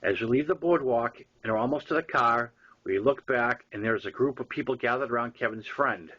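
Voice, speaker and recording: A man with a Boston accent reading his own story aloud in an informal way, with halting, emphatic repeats and wry asides. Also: medium pitch, breathy edge. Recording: dull lo-fi audio.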